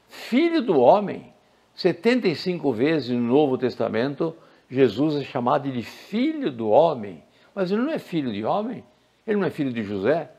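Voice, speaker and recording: An older male teacher lectures on grammar with a gravelly edge to his voice. His pitch moves a lot as he leans hard on key words. He speaks deliberately and explains things step by step. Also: a little mellow, dull audio. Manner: didactic, deliberate, with emphatic rises on key words. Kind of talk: recorded lecture.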